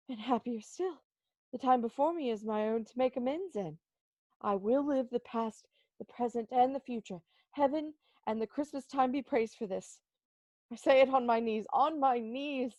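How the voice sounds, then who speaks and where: A woman's voice: high-pitched, warm tone, no room sound. A woman playing an old male miser, giddily reformed and penitent, in an amateur dramatic reading full of exclamations. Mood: awed relief. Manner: exclamatory, effusive.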